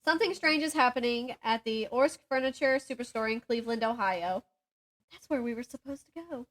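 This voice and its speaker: A woman's voice: on the high side, brisk. A young woman co-hosting a podcast, chatting casually about books and reading bits aloud, giggly and a little self-deprecating. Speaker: podcast co-host. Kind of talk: casual book chat with synopses read aloud.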